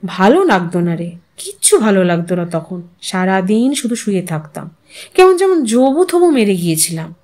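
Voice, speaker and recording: A woman's voice: mid-range voice, big pitch swings, moderate pace, a little mellow, voice pushed down. A woman reading a story, voicing a resigned, confiding elderly widow who muses wistfully. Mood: sorrowful. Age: older. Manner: wistful, confiding, musing to herself. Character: Bithi, weary resigned elderly widow in old age home.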